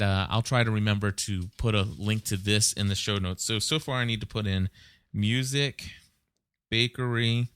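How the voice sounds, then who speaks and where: A man's voice: lowish voice, a bit bright, clear, resonant tone, no room sound. A man hosting a podcast, rambling casually and conversationally as he thinks aloud and gives advice. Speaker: podcast host.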